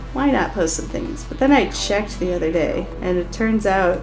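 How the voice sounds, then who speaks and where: Speech moves at a moderate pace, with audible room echo and noticeable background noise. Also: woman. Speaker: artist and vlogger. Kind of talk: casual vlog monologue. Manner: halting, trails off.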